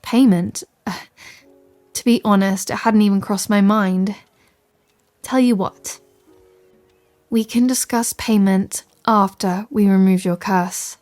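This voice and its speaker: A woman's voice: medium pitch, steady tone, slow, long pauses, darkish tone, faint music behind, close to an everyday voice. Articulate, caring woman wizard played by an actress. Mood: gentle, reassuring. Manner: articulate, bookish, reassuring. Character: capable, caring scholarly female wizard shopkeeper. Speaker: audio roleplay performer. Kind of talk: ASMR fantasy roleplay acting, addressing the listener.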